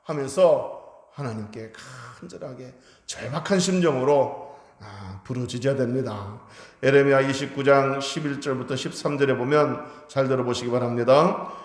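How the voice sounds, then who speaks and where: A man preaching a Sunday sermon in a church sanctuary, earnest, his voice swelling loud on points of emphasis. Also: medium pitch, moderate pace. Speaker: pastor. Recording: echoey hall reverb.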